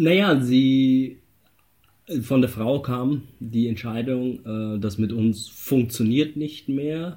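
A man's dark, mellow voice at medium pitch, at a very slow pace. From Franconia, Germany (near Nuremberg). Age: 30s. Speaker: dating coach. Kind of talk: interview.

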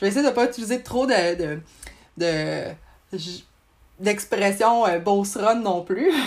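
In a Beauce Quebec accent, a woman talks at a very slow pace with long, frequent pauses. Her pitch is medium, with ordinary variation. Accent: Beauce Quebec French (beauceron). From Quebec, Saint-Lambert-de-Lauzon. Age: 30s. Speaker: podcast host, financial advisor. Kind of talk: casual solo podcast talk. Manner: hesitant, many filler words.

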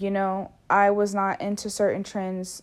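Soft-spoken and medium in pitch, a woman talks with an American accent. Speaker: podcast host. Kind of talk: casual solo chat. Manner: casual, filler-heavy, chatty.

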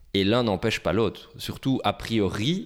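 A man speaks at a fairly slow pace with ordinary pitch variation, recorded very cleanly against a silent background. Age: 30s. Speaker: entrepreneur, startup platform CEO. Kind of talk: interview conversation. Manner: hesitant with frequent repetitions.

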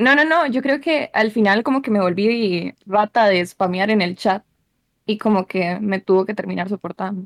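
A woman speaks at medium pitch and a moderate pace with lively intonation. The sound is dry and close with no echo. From Costa Rica. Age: 20s. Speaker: streamer. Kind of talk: casual chat.

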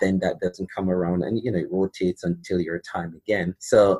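A man talking at a fairly quick pace, dry and close with no echo, on a very clean recording with a silent background. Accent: Jamaican. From Jamaica. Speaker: academic advisor. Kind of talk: interview.

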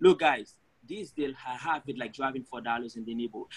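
A man's voice at medium pitch. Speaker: real estate wholesaler. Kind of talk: casual interview chat. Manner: fast; halting, repetitive.

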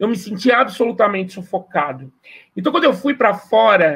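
On a very clean recording with a silent background, a man with a high voice speaks at a moderate pace with lively intonation. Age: 50s. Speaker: anthropology professor. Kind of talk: academic panel talk.

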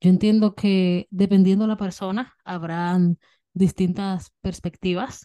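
A woman's dark, mellow voice at medium pitch and a fairly slow pace, over a quiet background. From Dominican Republic, San Cristóbal. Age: 20s. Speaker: podcast host. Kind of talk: casual chat.

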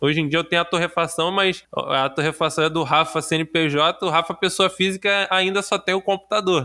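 At a moderate pace and with hardly any pauses, a man speaks at a high pitch with fairly even intonation. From Rio de Janeiro state interior, Brazil. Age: 20s. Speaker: coffee entrepreneur. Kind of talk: casual interview. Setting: online call.

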